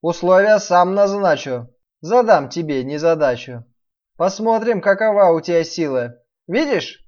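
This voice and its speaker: A woman's voice: on the low side, darkish tone. Storybook peasant trickster, a man played by a woman: brash, taunting, swooping intonation, dull sound. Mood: bossy. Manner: taunting, commanding. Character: cunning brash peasant workman, mocking and bossy. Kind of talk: dramatised fairy-tale reading.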